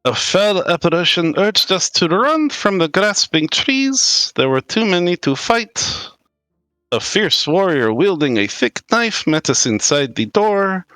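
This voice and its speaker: A man's voice: high voice, big pitch swings, unhurried, pushed and bright, clear, resonant tone, no room sound, heavily acted. A man playing a reluctant, sarcastic fantasy adventurer in a tabletop game, dramatic and exasperated.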